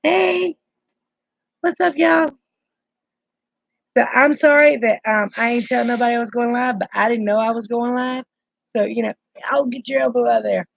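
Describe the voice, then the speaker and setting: Her voice fairly high and creaky, a forties-aged keto vlogger with a Southern accent talks at a normal speed with long pauses. She's casually greeting live-stream viewers by name while soothing her grandbaby. There's no echo, but the highs are cut off.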